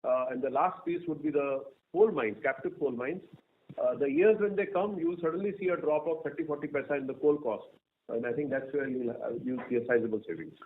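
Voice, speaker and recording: A man with an Indian accent speaking as a company executive, answering analysts in a halting way and repeating words. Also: fairly high pitch, expressive, a little hiss or hum. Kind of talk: answering analysts on an earnings call. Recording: narrow tinny phone-line sound.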